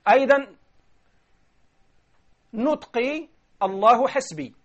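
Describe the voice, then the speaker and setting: A man's voice: very high-pitched, slow, a bit bright, dull audio. A man giving a classroom grammar lecture, explaining step by step and often checking whether his listeners follow. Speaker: grammar teacher.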